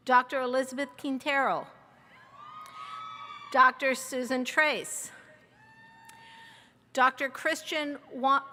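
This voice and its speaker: A woman serving as interim provost, reading formal introductions of names and titles in a measured way. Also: high voice, sharp tone, in a large hall. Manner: measured, reads a long list of names and titles. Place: large outdoor or hall ceremony over a PA.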